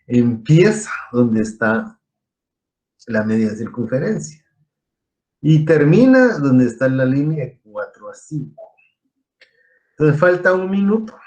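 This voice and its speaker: A man's voice: a little high, a little mellow. A man from Guatemala teaching an online engineering class, explaining step by step and quizzing his students. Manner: explanatory, asks students questions.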